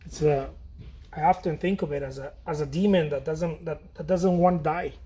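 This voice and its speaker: A man's voice: on the high side, steady tone, moderate pace, mellow, husky. A man chatting casually while he paints on a livestream, rambling, repeating his phrases and swearing now and then. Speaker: painter streaming a demo.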